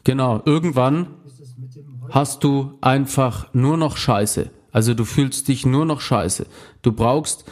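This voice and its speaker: A man's voice: medium pitch, takes it slowly. Blunt, slangy man telling his story. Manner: blunt, colloquial, with slang and swearing. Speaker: former drug user sharing experience. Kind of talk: casual conversational storytelling.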